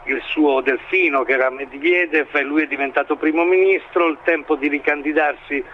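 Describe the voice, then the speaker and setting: A man with a slightly high voice answers as an expert commentator in an interview. He speaks haltingly, piecing together his analysis. The recording is a little dull, with faint noise behind him. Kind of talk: interview analysis of current affairs.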